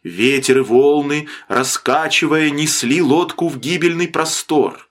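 A man narrating a classic novel as an audiobook, with an expressive, dramatic reading that slows down for emphasis. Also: a little high. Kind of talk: scripted literary narration.

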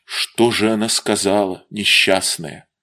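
A man voicing a worried, tender mother who asks her son anxious, hushed questions. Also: lowish voice, steady tone, unhurried.

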